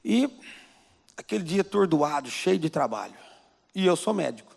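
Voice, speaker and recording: Gravelly Brazilian pastor preaching in a church. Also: male voice, a little high, big pitch swings, moderate pace, darkish tone. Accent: Brazilian Portuguese. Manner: conversational preaching with rhetorical questions. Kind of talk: sermon. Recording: long church-hall reverb.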